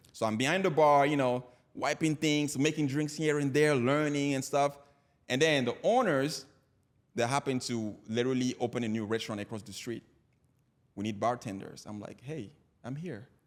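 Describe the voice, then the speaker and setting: The speaker has a French accent and ordinary pitch variation. Loudness swings widely. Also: man, medium pitch for a man, moderate pace. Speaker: entrepreneur. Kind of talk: podcast interview. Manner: animated.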